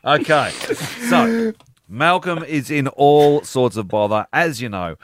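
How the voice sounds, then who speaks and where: A man's voice: on the high side, lively intonation, slow pace, noisy background. A man with an Australian accent hosting a radio show in casual banter.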